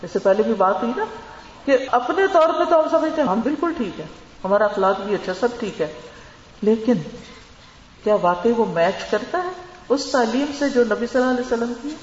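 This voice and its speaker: A woman's voice: on the high side, lively intonation, slight background noise. A woman giving an earnest religious lecture, advising her listeners and mixing in English words. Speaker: religious teacher. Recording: echoey hall, dull lo-fi sound.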